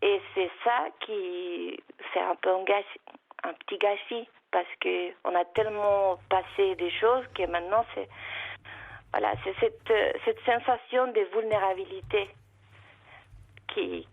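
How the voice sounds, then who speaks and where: Halting woman caller on a phone line. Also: mid-range voice, fairly even intonation, vocal fry. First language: not French. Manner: halting, repeats words, searches for words. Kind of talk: emotional call-in confession. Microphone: telephone.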